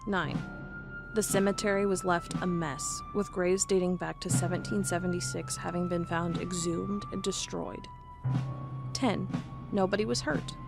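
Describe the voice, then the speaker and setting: A woman's voice: on the low side, steady tone, normal speed, gravelly, over music. A woman playing a wry, curious investigator who records a log and reads old case files in an audio drama. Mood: dry, official.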